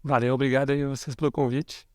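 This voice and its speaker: A man around forty from Belo Horizonte, speaking as a guest in a casual podcast conversation, relaxed and thoughtful, often correcting himself mid-sentence. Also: mid-range voice, fast talker, dry recording. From Brazil, Belo Horizonte. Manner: relaxed, thoughtful, frequent self-corrections, chuckles softly. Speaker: guest, software engineer.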